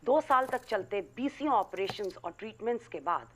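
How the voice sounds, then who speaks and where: An actress playing a TV news anchor reading a scripted report. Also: female voice, medium pitch, expressive, normal speed, fairly bright tone.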